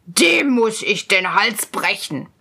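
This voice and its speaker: A proud, menacing spirit sealed in a bottle calls out in slow, stretched, loud words, as a woman puts him on. His voice has a gravelly edge. Every word is drawn out. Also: medium pitch, big pitch swings, full character voice. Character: arrogant male spirit trapped in a bottle.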